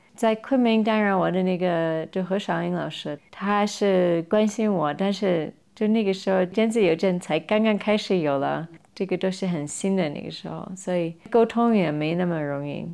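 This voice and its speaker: A woman with an English accent speaks at a moderate pace in a medium pitch with a dark, mellow tone, ordinary pitch variation and hardly any pauses. The recording is very clean, with a silent background. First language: English (speaking Chinese). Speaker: anthropologist. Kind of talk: casual chat. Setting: late-night recording at a lake.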